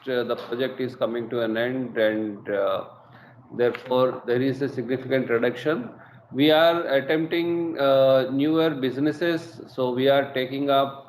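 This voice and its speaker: A middle-aged man with an Indian English accent presents quarterly results on an earnings call, measured and full of hesitations. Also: medium pitch, darkish tone, a little hiss or hum. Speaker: company executive presenting results. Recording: echoey room with faint ambience.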